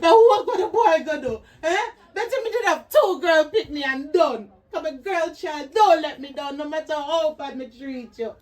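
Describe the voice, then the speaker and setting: A woman's voice: high voice, expressive, moderate pace, few pauses, recorded from a distance. An actress playing a grieving, remorseful Jamaican mother who wails and pleads in a sobbing patois with broken laughter, in an amateur web drama. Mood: quiet remorse. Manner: repetitive cries and pleading.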